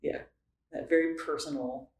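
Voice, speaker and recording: A man hosting a podcast interview, appreciative and quick to laugh. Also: a little high, steady tone, a little hiss or hum. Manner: warm, appreciative, laughs easily. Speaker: podcast host. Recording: echoey room.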